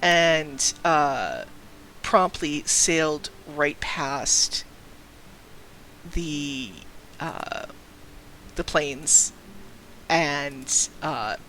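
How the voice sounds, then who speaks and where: A man's voice: on the high side, extremely slow, pauses often, sharp tone, slight background noise, rough recording. A young trans man with a light, youthful-sounding voice chatting casually on a game stream, rambling through stories, laughing often and breaking off to greet viewers. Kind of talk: casual live-stream chat.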